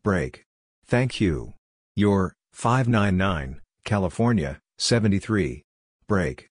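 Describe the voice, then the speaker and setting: A man reading amateur radio contact phrases in a measured, clipped way for Morse code practice. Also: sits low, expressive, breathy edge, no echo, studio quality.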